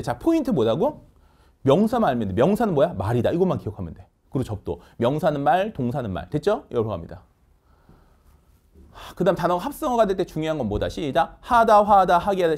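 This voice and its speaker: Male lecturer, middle-aged, high-pitched and animated, quizzes the class nonstop. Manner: energetic, coaxing, quizzes students with quick questions. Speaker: English vocabulary teacher. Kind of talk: online lecture.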